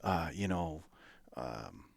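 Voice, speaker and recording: A man in his late thirties hosting a casual podcast, chatty and quick to laugh. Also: sits low, expressive, creaky, no echo, clean studio sound. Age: 30s. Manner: chatty storyteller, laughs easily. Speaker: podcast host.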